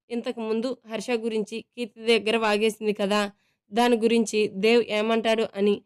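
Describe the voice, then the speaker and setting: A woman's voice: on the high side, clean tone. A woman narrating a serialized family romance, reading every character's lines in a light conversational tone. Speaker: storyteller. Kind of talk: scripted narration of a serialized story.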